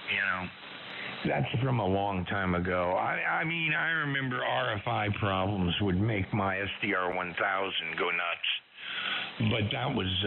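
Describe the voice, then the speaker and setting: Through a hissy, phone-thin radio link comes a creaky man. He chats casually as a ham operator, musing and hesitating, in a gravelly voice. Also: deep voice. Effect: radio transmission. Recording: narrow-band shortwave radio, loud hiss.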